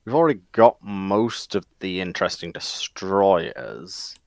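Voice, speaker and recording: A man's voice: low voice, sing-song, measured pace, vocal fry, no room sound, clean studio sound. A man chatting casually as a panel guest, musing and hesitant as he thinks aloud. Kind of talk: casual chat.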